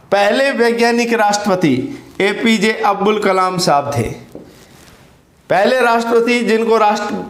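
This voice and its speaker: Male teacher, high voice, slow emphatic delivery, echoey room, drills key words. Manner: emphatic, repeats key words and quizzes students. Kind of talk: exam-prep lecture with memory tricks.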